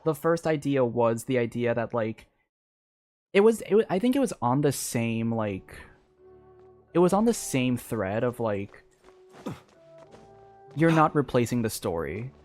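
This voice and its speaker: A man giving casual live game commentary as a streamer, rambling and excitable. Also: mid-range voice, a little slow, long pauses. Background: faint game music.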